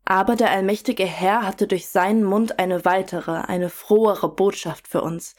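A woman's voice: medium pitch, steady tone, unhurried, close to an everyday voice. A woman playing a devout follower in a German audio drama, giving earnest, reverent testimony about her youth. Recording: music under the voice.

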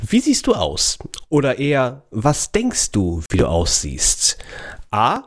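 A man's voice: medium pitch, huge pitch swings, slow. A man co-hosting a casual podcast, playfully reading quiz questions with theatrical flair. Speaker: podcast co-host, quizmaster.

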